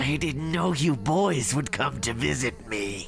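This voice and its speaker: Over clear background music, a man puts on a medium-pitched character voice and talks at a fairly slow pace. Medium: voice reel. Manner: menacing, cackling.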